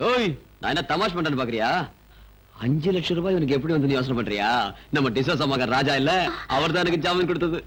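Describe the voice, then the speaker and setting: A loud clownish young fisherman. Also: on the high side, fast talker, slightly rough, low-quality recording. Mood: teasing. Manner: loud, excitable and bantering. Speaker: film character. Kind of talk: 1990s Tamil film comedy acting.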